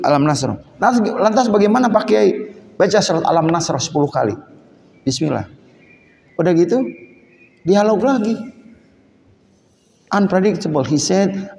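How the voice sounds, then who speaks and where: A gravelly, fairly high-voiced man delivers an animated sermon. He jumps between loud emphasis and quiet asides. He is recorded in a reverberant mosque hall. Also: slight background noise. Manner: lively, switching languages, shifting between shouts and low asides. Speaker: preacher. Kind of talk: Islamic sermon.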